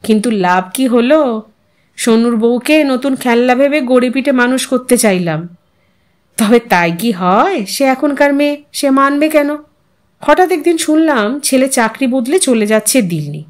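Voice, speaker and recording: A woman's voice: high-pitched, expressive, unhurried. A woman narrator plays an elderly widow in an audio story. She is resigned and wistful, confiding her life to an old friend in a musing, weary way. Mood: rueful. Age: older.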